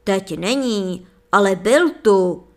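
A woman voicing a menacing male sorcerer who bellows slowly and suspiciously in a storybook reading. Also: mid-range voice, animated, natural voice. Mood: suspicious roaring. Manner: bellowing, slow and demanding.

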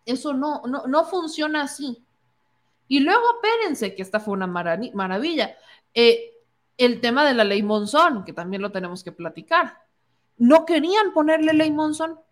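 A woman's voice: high-pitched, sing-song, moderate pace. A woman with a Mexican accent giving opinionated political commentary, indignant and sarcastic, mocking the people she quotes.

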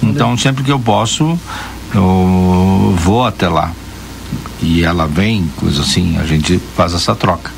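A man's voice: deep voice, unhurried, creaky, slight background noise. A man in his fifties from Rio de Janeiro who has long lived in southern Brazil, telling rambling nostalgic anecdotes in a casual radio chat. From Rio de Janeiro, Brazil, living in Rio Grande do Sul.

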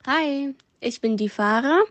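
A woman's voice: high-pitched, unhurried, no echo. Self-assured young Syrian woman. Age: young adult. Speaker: interviewee. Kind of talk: personal testimony to camera.

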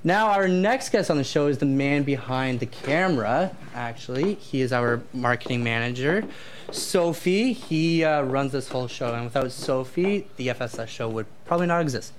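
A man's voice: mid-range voice, expressive, slight background noise. Upbeat male interview host. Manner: enthusiastic, encouraging, quick asides. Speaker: show host. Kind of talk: upbeat company interview show.

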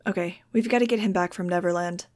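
A woman's voice: on the low side, fast, a little mellow, natural voice. A woman voicing a wry, anxious teenage girl leader in audiobook dialogue. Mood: wry, concerned.

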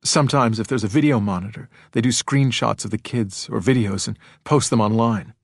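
A man's voice: on the low side, fairly quick, no echo, studio quality. A man voicing a knowing, matter-of-fact male tech entrepreneur in an audiobook, explaining plainly. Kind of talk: audiobook character acting.

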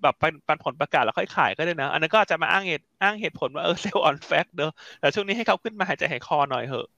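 Fast bright-voiced host guy, teasing and chatty, dry sound. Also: fairly high pitch, expressive, creaky, no echo, highs cut off. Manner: chatty, teasing, hands off to co-hosts. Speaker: show host. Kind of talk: casual market talk show.

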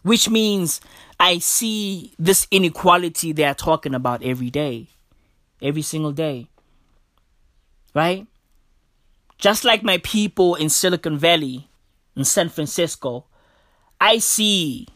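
Slow slangy South African podcaster. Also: male voice, a little high, expressive, fairly bright tone, no room sound, clean studio sound. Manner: slangy, keeps saying bro and bruv. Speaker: podcast host. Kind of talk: casual solo podcast commentary. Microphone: podcast mic.

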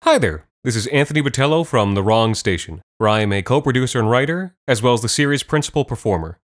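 A man's voice: mid-range voice, lively intonation, quick pace. A man giving a scripted introduction to his audio drama series as its host and performer. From Canada.

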